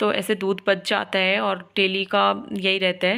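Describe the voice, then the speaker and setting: The recording is very clean against a silent background. It features a woman talking. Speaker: vlogger. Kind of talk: vlog voice-over. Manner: casual, chatty.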